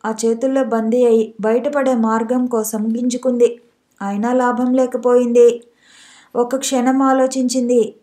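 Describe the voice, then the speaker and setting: A woman narrating a romance novel as an audiobook reader, in steady storytelling. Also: fairly high pitch. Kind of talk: scripted narration.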